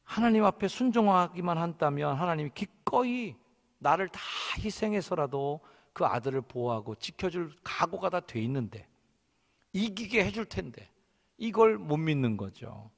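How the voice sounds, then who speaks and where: In a large church sanctuary, a senior pastor with a gravelly voice on the high side preaches a sermon at normal speed. He is animated, acting out the voices of the characters in his stories.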